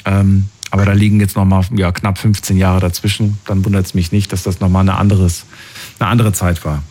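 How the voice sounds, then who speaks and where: Husky guy hosting a call-in radio show, lowish voice, chatty and upbeat. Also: little pitch movement, a little fast, darkish tone. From Thuringia, Germany. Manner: chatty, upbeat, thinks aloud. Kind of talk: casual call-in chat.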